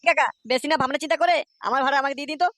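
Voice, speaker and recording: Woman doing a swearing young cartoon driver guy, rapid, sharp, dry sound. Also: high-pitched, fairly even intonation, no echo. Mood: angry. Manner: cursing, quarrelsome. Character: brash young male auto-rickshaw driver, foul-mouthed. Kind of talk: cartoon voice acting.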